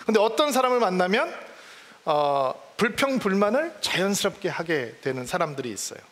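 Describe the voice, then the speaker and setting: High-voiced pastor preaching in a reverberant church. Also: male voice, expressive, fast talker, a bit bright. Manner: conversational preaching, asks the congregation questions. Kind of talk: sermon.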